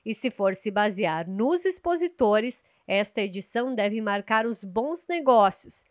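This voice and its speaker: A young adult woman reporting the news from outdoors at an agricultural fair, speaking into a handheld mic in a measured, scripted way. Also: medium pitch, lively intonation, dry recording, studio quality. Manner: measured, clear reporting delivery.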